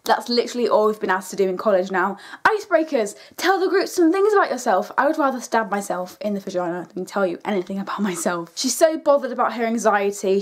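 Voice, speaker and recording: A young British woman vlogging casually to camera, speaking in an informal, slangy, self-deprecating way. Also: fairly high pitch. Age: young adult. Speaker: video blogger.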